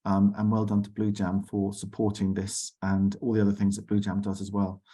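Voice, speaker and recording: A man's voice: on the low side, monotone, a little fast, mellow. Man chairing an informal group chat. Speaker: host of an arts network online discussion. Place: online video call.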